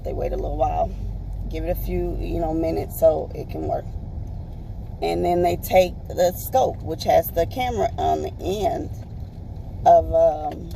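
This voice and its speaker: A woman with a raspy voice, chatting to viewers from her car in a rambling, chatty way. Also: deep voice, mellow, a little hiss or hum, poor audio. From Texas, US. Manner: rambling, chatty, calls viewers y'all and honey. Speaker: vlogger. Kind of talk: casual chat to viewers while driving. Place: in a parked car.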